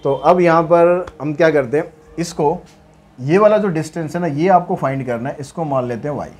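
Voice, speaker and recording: A man teaches maths, working through problems step by step in a chatty way and asking and answering his own questions. He reads the English problem text slowly and deliberately. His voice is on the high side and a little mellow.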